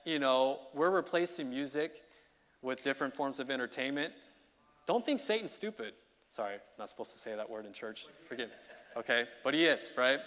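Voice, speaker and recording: A man preaching an informal midweek sermon as song leader, talking in a conversational, energetic way that keeps checking in with the congregation. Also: on the high side. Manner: conversational, energetic, often checks in with "okay?" and "you know". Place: church sanctuary. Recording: long reverb of a church hall.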